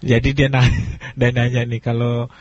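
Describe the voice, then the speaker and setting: A man's voice: mid-range voice, completely flat delivery, normal speed, no echo. A man hosting a casual talk radio show, answering listeners and repeating phrases for emphasis, on a lo-fi streaming broadcast. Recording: dull, lo-fi streaming radio with loud noise.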